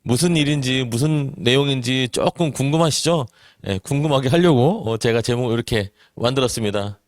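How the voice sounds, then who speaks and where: A man in his forties giving an earnest seminar talk, asking the audience rhetorical questions and filling pauses with hesitations. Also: mid-range voice, no room sound, studio quality. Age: 40s. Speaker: network marketing business presenter.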